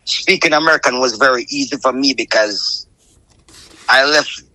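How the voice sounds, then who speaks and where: A Jamaican man in his fifties talks casually as an interview guest. His voice is bright and forceful, at an average male pitch. The sound is dry. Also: normal speed, no echo, low-quality recording. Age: 50s. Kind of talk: casual phone conversation.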